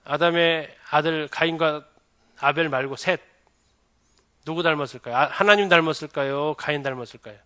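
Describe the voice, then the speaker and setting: A middle-aged male pastor gives a church seminar on raising children, frequently putting questions to the audience. His voice is a little high, bright and forceful, at a moderate pace.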